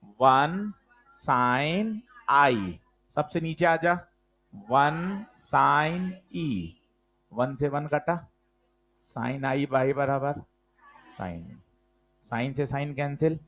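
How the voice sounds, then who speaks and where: Guy teaching physics to a class, kinda high voice, talks slow and stresses every point, keeps asking questions. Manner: slow, emphatic, quizzes students with questions. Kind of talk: classroom lecture.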